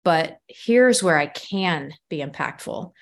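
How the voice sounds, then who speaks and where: Woman host, lowish voice, blunt and swears, laughs a lot. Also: expressive. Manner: frank and swears, quick to laugh. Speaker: podcast host. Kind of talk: casual podcast chat.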